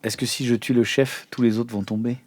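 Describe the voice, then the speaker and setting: A man plays in an improvised tabletop game. His pitch is average and the sound is very dry. He talks through his moves in a casual, conversational way. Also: level tone, brisk, no room sound.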